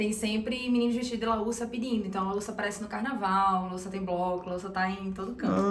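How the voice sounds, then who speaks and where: Over noticeable background noise, a woman of medium pitch talks at a very fast pace with fairly even intonation and a Pernambuco accent. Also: hardly any pauses. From Brazil, Pernambuco. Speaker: apartment resident showing her home. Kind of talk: casual home tour chat.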